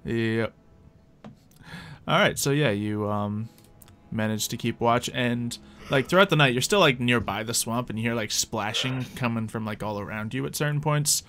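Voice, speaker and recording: A man's voice: medium pitch, normal speed, a bit bright. A man casually narrating an online tabletop roleplay game as game master, in an informal storytelling way. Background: music.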